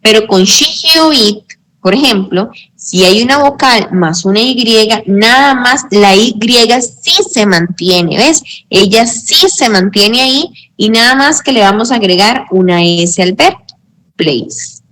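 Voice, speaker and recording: A woman teaching English grammar in a slow, patient way, often checking that students follow. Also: a little high, expressive, fairly bright tone, low-quality recording. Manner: slow, patient explaining with frequent check-ins. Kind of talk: online tutoring lesson.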